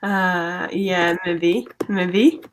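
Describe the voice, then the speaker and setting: A woman's voice: fairly low pitch, fairly even intonation, drawn-out words. A woman comedian with a Shetland Scottish accent, chatting casually on a comedy panel. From Shetland, Scotland. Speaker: improv comedian.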